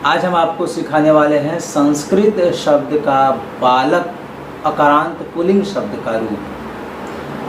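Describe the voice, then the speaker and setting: A man teaching a Sanskrit lesson online, chanting word forms slowly and clearly for pupils to repeat, with quick explanations between the drills. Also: fairly high pitch, roomy sound, noisy background.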